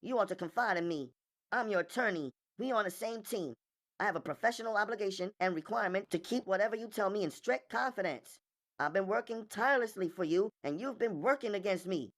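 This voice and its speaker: A woman's voice: medium pitch, expressive, natural voice. A woman playing an intense, blunt, probing female defense attorney in an audiobook, speaking emphatically and insistently. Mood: exasperated, reproachful. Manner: emphatic, insistent, rapid-fire delivery. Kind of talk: audiobook character dialogue.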